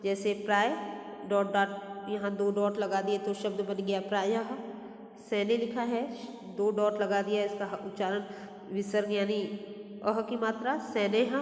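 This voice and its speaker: A woman teacher slowly working through a textbook exercise, spelling out words and correcting herself as she goes. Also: medium pitch, a little mellow. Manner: slow, deliberate word-by-word dictation with self-corrections. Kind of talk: step-by-step textbook lesson. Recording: echoey room with long reverb.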